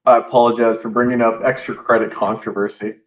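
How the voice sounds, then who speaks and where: A man's voice: mid-range voice, flat delivery, fast, low-quality recording. A man chatting casually on a stream, giving opinions in a rambling way and fumbling for words. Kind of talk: casual chat.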